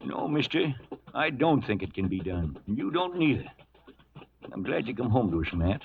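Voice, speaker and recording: An actor playing a crusty, loyal old cowhand in a radio western, with a folksy American Western drawl and mumbling, toothless speech. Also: male voice, mid-range voice, big pitch swings, moderate pace, gravelly, a little hiss or hum. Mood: earnest, fond. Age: older. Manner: folksy, rustic, cantankerous. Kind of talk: 1940s radio western acting. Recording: dull vintage radio recording, faint music.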